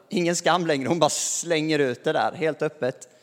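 A man preaching a sermon, earnest and lively, raising his voice as he calls out scripture. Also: fairly high pitch. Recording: long hall reverb.

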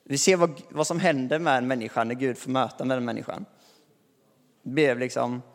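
Swedish-speaking preacher man in a reverberant hall. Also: medium pitch. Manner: earnest, lively, rising to call out scripture. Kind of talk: sermon.

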